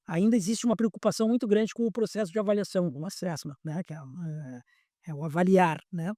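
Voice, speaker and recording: A man's voice: high-pitched, a little fast, warm tone, no room sound, studio quality. A man, an airline pilot examiner explaining things patiently in a podcast interview and often repeating words as he searches for them.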